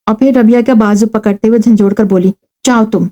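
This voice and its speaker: A woman narrating a historical novel in measured, scripted storytelling on a studio mic. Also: mid-range voice, fairly even intonation, mellow. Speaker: audiobook narrator.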